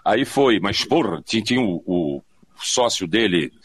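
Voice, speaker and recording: A man's voice: lowish voice, measured pace, slightly rough, no echo. An older Brazilian man telling anecdotes casually as an interview guest, repeating phrases for emphasis and acting out what people said. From São Paulo, Brazil. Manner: animated, acts out quoted speech, repeats phrases for emphasis. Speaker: interview guest, veteran of advertising audio and voice work. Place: remote online conversation.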